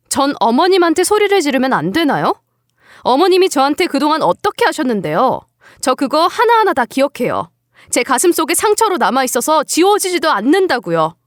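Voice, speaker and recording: A woman's voice: a little high, no room sound, studio quality, natural voice. A woman voicing a hurt young widowed daughter-in-law who pleads and pushes back in a dramatized story reading. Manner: pleading, tearful defiance.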